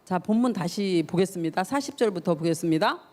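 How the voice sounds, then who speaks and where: Animated woman preaching to teenagers. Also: fairly low pitch, fairly quick. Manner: animated storytelling, acting out voices and cries; asks the listeners questions directly. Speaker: youth pastor. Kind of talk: youth sermon.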